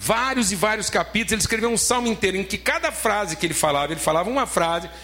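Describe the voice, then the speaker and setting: A man's voice: high voice, expressive, quick pace, sharp tone. A man with a Brazilian Portuguese accent preaching a sermon as pastor, emphatic, repeating phrases and calling listeners beloved.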